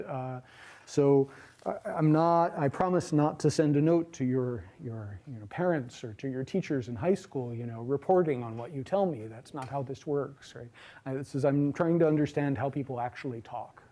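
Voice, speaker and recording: Relaxed, chatty male lecturer. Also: mid-range voice. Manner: relaxed, chatty, many fillers and asides. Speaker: linguistics lecturer. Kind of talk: university lecture. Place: large lecture hall.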